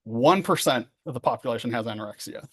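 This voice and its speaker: A man's voice: mid-range voice, lively intonation, fast talker, a bit bright. Middle-aged man teaching casually. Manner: conversational, joking, many fillers and tag questions. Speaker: therapy trainer. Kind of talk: casual workshop lecture.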